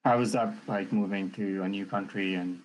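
Deep-voiced gentle male interviewer. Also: fairly even intonation, normal speed, poor audio. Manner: gentle, rambling questions with soft backchannels. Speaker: podcast host interviewing. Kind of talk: casual interview questions.

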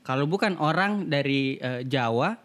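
A man with a high voice and a Makassar accent trades quick, playful remarks with his co-host in a relaxed conversation. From Makassar, Indonesia. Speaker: podcast co-host. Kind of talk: casual chat.

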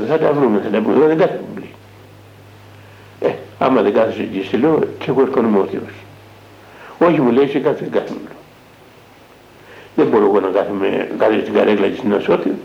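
A man's voice: medium pitch, creaky. An older man, an elder monk, retelling a conversation in a spiritual talk and tagging each line with "I say" and "he says". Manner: recounts dialogue, with constant "I say, he says" tags. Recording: dull lo-fi radio broadcast recording.

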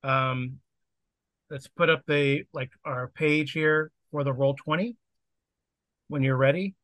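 Speaking from home on a video call, this podcast host acts as game master for a tabletop game, rambling casually and often restarting or filling gaps. His voice is a little high and a bit bright, steady in tone and slow, recorded with no room sound.

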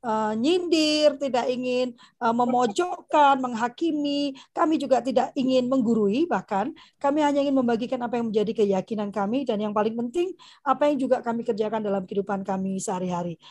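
A woman hosting an online parenting session, talking casually and warmly to a group, dropping English phrases and "gitu ya" fillers often. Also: on the high side, fairly quick, no echo. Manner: chatty, frequent "gitu ya" fillers, laughs often; mixes English phrases into speech. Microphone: video call.

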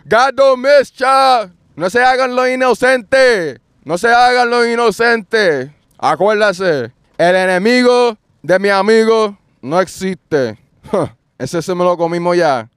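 A man's voice: high-pitched, lively intonation, takes it slowly, fairly bright tone, smooth, no echo, studio quality. A man with a Puerto Rican Spanish accent hosting a podcast. He talks in a defiant, repetitive solo monologue and swears often. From Puerto Rico. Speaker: podcast host.

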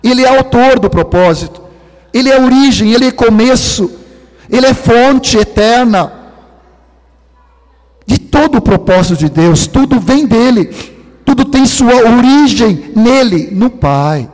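A man's voice: very high voice, expressive. Swedish-accented older man preaching in a hall. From Sweden. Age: 60s. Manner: dramatic, drops to hushed near-whispers for emphasis; slow, drawn-out stress on key words. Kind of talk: sermon.

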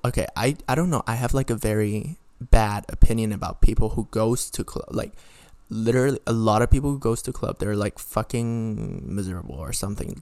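A man's voice: medium pitch, darkish tone, no room sound. A young man from Hong Kong vlogging his opinions in a casual, rambling way, bluntly swearing and often rephrasing himself. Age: young adult.

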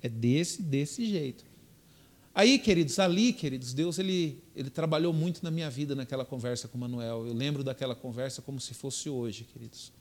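A man's voice: mid-range voice, fast talker, hardly any pauses. An older man, a pastor telling a testimony story in a sermon, often turning to the congregation and repeating himself as he goes.

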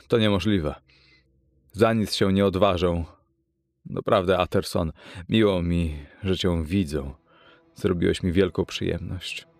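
A man's voice: low voice, vocal fry, dry recording, clean studio sound, heavily acted. A man voicing a weary, despairing middle-aged doctor who speaks in a sighing, subdued way in an audiobook.

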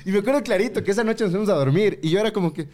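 Young man, casual storyteller with a fairly high voice who acts out what others said. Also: very fast, darkish tone. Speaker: comedian guest.

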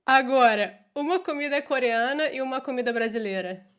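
A woman's voice: high voice, moderate pace, fairly bright tone. A woman with a Brazilian Portuguese accent, hosting a casual interview. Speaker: interviewer, host.

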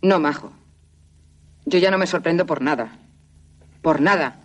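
A woman's voice: sits low, unhurried. An actress playing an ironic, teasing middle-aged woman in a 1970s film drama.

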